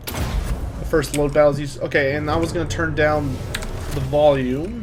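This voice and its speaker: A man with an American accent speaks at a moderate pace. Noticeable background noise and audible room echo surround him. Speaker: video game streamer. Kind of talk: casual live-stream gameplay chat. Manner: casual, with fillers.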